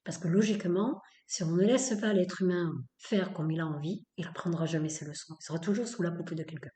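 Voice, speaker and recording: A woman speaks in a low, mellow voice, blunt and opinionated. She talks with many fillers and repeated phrases, hosting a podcast episode in an echoey room. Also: brisk. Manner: emphatic, repetitive, with many fillers. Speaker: podcast host. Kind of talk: spoken-word episode.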